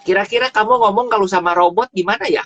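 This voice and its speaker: A man talks in a casual, animated way, his voice pitched a bit high and jumping up when he stresses a point. The sound is dull and dry, like phone audio from a live stream with no room echo. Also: fast. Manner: animated, rising pitch on emphasis, repeats words. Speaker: travel business speaker on a live stream. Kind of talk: casual instructional talk. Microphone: phone or live stream mic.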